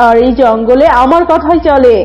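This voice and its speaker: A woman's voice: high-pitched, normal speed, darkish tone, close to an everyday voice. A woman voicing a bossy, hostile tigress in a cartoon, stern and challenging. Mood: angry, dismissive. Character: bossy, hostile tigress ruling her jungle. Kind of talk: cartoon voice acting. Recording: dull lo-fi audio, music behind.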